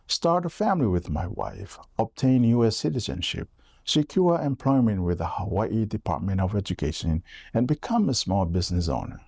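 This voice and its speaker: A man from Tonga reads his prepared campaign statement in an earnest, measured way. His voice is low, dark and gravelly. The sound is dry, with no room echo. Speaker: political candidate.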